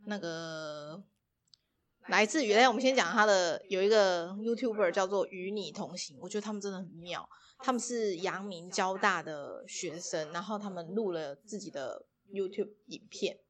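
Lively taiwanese woman cohost, casual chat, laughs at clips. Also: mid-range voice, moderate pace. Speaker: podcast co-host.

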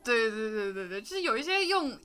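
Faint music plays behind this young adult podcast host, whose Taiwanese Mandarin accent carries a high-ish, sing-song, brisk voice that sounds pushed and bright. She chats and giggles through a casual interview, restarting hesitantly.

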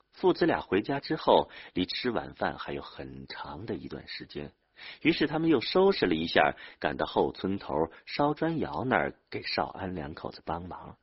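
A man's voice: sits low, husky, highs cut off. A man narrating a novel as an audiobook, telling the story expressively with dramatic swings.

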